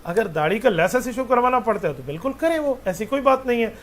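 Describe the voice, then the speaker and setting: A man's voice: very high-pitched, very animated, fast talker. A man, a mufti answering religious questions with patient explanations and rhetorical questions.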